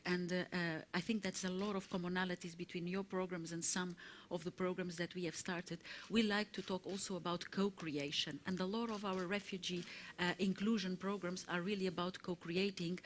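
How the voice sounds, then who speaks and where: Woman, low voice, corporate speaker at a conference, halting and filler-heavy. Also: slight background noise. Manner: halting, with many "uh" fillers and restarts. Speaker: corporate public affairs speaker. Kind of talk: conference panel remarks. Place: conference hall.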